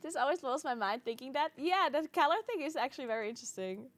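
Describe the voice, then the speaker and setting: A woman's voice: high voice, lively intonation, fast talker, a bit bright, dry recording. A woman streamer from Italy whose first language is German, chatting casually with viewers, playful and teasing with frequent laughs.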